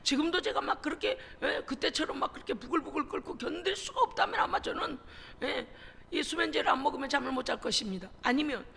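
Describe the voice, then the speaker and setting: A woman's voice: high voice, lively intonation, fast talker, creaky, sharp tone, a little hiss or hum. A woman pastor preaching a fervent sermon in a church sanctuary, breaking in with amens and hallelujahs. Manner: impassioned, punctuated with amens and hallelujahs. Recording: reverberant church hall.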